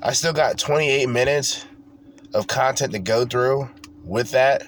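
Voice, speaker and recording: A man's voice: mid-range voice, unhurried, slight background noise. Congested man rambling on his podcast. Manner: loose, rambling, swears casually. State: congested from a cold. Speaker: podcast host. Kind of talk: casual solo podcast talk.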